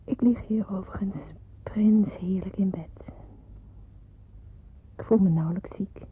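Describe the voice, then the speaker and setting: An actress playing a devout, earnest young Jewish daughter in a radio drama, speaking in a solemn, measured, breathy way. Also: female voice, mid-range voice, a little hiss or hum, close to an everyday voice. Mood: reflective, earnest. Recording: muffled, phone-like old radio play recording.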